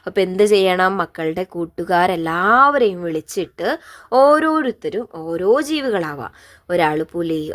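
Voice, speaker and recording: A woman teacher giving a gentle primary school lesson, coaxing young children with questions. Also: fairly low pitch.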